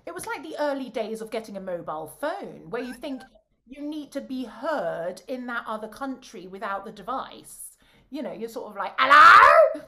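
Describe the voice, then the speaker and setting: A woman, an opera singer and voice coach, chatting in a bubbly, animated way and laughing often over a video call. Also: a little high, normal speed. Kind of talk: casual chat.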